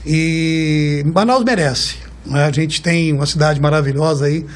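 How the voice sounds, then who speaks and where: A Brazilian man in his fifties, a guest in an interview, talking in a chatty, storytelling way and often ending phrases with a quick "right?". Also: fairly high pitch. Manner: chatty, warm storytelling, keeps tagging phrases with a questioning "right?". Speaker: guest, car rental executive. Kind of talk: casual interview talk.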